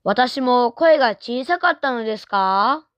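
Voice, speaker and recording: A woman reading translations of example sentences in a plain, measured way for learners. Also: on the high side, lively intonation, smooth, dry recording, dull audio. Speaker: translation reader.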